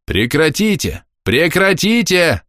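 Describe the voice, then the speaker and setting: Jittery rural policeman, voice pushed high, read by a male narrator. Audiobook. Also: sing-song, slow, a bit bright, dry recording, clean studio sound, full character voice. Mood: shouting. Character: nervous male village policeman.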